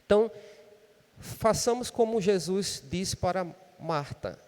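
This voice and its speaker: The man's voice sits high and sounds darkish, animated yet slow-paced, with the sound of a big room around it. He delivers a church sermon in a Brazilian Portuguese accent, conversational in style and peppered with questioning "né?" tags.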